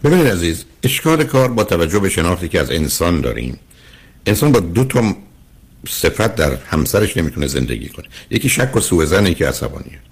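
An older man with a husky voice, a radio counseling host giving earnest, lecturing advice to a caller. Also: sits low, sing-song.

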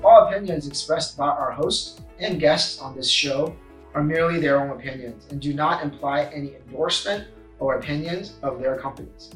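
A man's voice: on the high side, normal speed. Man hosting a podcast in an echoey room. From United States. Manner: scripted-sounding intro, then hesitant with frequent fillers when ad-libbing. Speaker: podcast host. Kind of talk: podcast intro and interview. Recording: echoey room with faint music.

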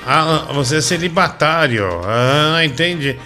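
Brief: bantering comedy radio host, male, teasing, slightly high voice, music under. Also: pushed and bright. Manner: teasing, laughing, quick to cut callers off. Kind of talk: bantering call-in comedy show.

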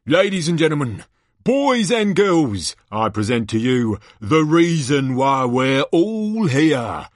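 A man voicing a bombastic sports announcer from a storybook, a booming showman with drawn-out theatrical calls. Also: big pitch swings, no room sound, studio quality. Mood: showy, excited. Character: bombastic male sports announcer hyping a tournament.

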